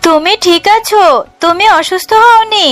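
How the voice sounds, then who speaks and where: Woman voicing a high-pitched gentle mother fox. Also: moderate pace. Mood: worried. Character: gentle, trusting mother fox with a young daughter. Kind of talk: children's cartoon dubbing.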